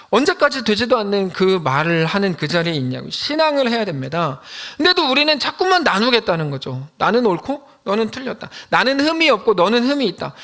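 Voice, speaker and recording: Male pastor, middle-aged, high voice, very lively delivery, preaching a sermon. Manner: animated preaching, acts out shouts and quotes.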